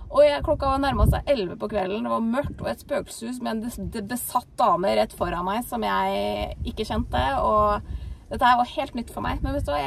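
A woman co-hosting a faith talk, telling a personal testimony in an animated way with many fillers. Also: a little high, vocal fry, distant mic, slight background noise. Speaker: co-host.

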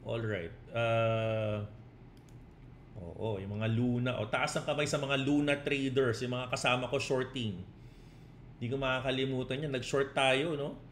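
A man's voice: medium pitch, fairly even intonation, measured pace, a little hiss or hum. A man, a crypto trading coach on a casual live stream who mixes Tagalog and English, reads out chat comments and keeps tagging his points with 'no?' and 'di ba?'.

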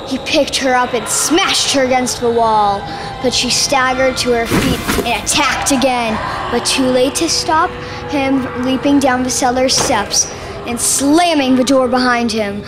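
A woman's voice: high-pitched, a little slow, poor audio. A woman reading scripted narration for a radio play on stage. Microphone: stand microphone. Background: music.

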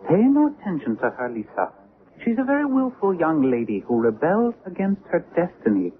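An actor playing a solemn, commanding alien envoy in an old-time radio drama, speaking in formal pronouncements. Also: male voice, on the high side, very animated, moderate pace. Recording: tinny, noisy old radio recording.

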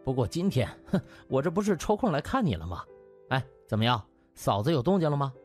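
A man's voice: medium pitch, sing-song, fairly quick, soft background music, lightly acted. A man voicing a cocky, affable young male doctor, breezy and ingratiating as he speaks. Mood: breezy, chummy.

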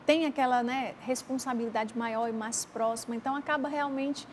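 Brazilian morning show host, woman, gently guiding. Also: fairly high pitch, fairly even intonation, fairly quick, slight background noise. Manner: interviewing, prompting and finishing the guest's sentences. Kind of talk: religious morning TV talk.

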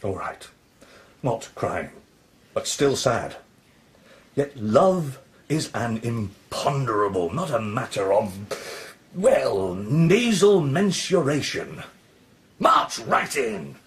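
A man's voice: medium pitch, very animated, slow pace. A man acting a loyal, encouraging friend in a radio verse drama, emphatic and theatrical. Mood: gentle concern.

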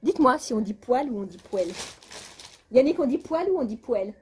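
Woman vlogger, casual chat, complaining, mellow voice, faint noise behind. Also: a little high, lively intonation, fast talker. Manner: chatty and complaining.

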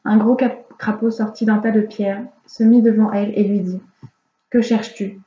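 Woman reading a fairy tale out loud, calm, kinda flat, mellow voice, roomy echo. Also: medium pitch. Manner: calm, measured storytelling. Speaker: audiobook reader. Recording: roomy, slightly dull home recording.

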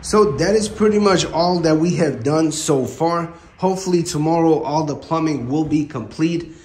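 A man's voice: on the high side, normal speed, darkish tone. A man in his thirties giving a plain, step-by-step walkthrough of a house renovation, filmed on a phone while walking through the rooms. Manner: plain, matter-of-fact, explaining step by step. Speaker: real estate investor vlogger. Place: empty house under renovation, indoors. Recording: echoey empty rooms.

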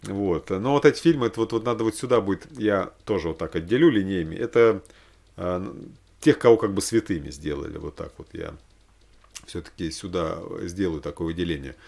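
A man in his forties with a fairly low voice chats casually to the camera. He rambles as he thinks aloud, breaking off for hesitant asides. It sounds like an unscripted home vlog. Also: brisk, gravelly, a little mellow. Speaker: religious vlogger recommending films. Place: small room at home, indoors.

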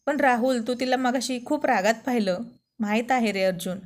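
A woman's voice: on the high side, normal speed, close to an everyday voice. A woman voicing a playful, teasing young husband in a spoken storybook. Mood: earnest. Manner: playful, bantering. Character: young married man, teasing and romantic.

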